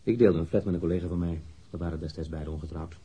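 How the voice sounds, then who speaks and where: A guarded witness in a radio play, an engineer with a low, mellow and very husky voice. He answers curtly and reluctantly, with an irritable edge. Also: fairly even intonation, rapid-fire, exaggerated voice. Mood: guarded, matter-of-fact. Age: 30s. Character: reluctant, guarded thirty-three-year-old male engineer being questioned. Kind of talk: radio drama acting.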